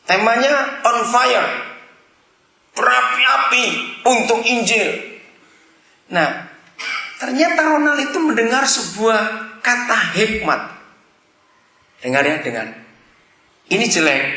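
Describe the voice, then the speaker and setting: A man preaching a sermon to a congregation, animated, calling out to the listeners, swinging between shouting and quiet asides. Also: a little high. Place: church hall. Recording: echoey church hall.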